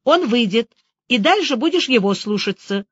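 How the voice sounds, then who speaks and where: Woman doing a brisk friendly cop. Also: on the high side, animated, breathy edge, no echo, highs cut off. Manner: brisk, bossy instructions. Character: brisk friendly male police officer.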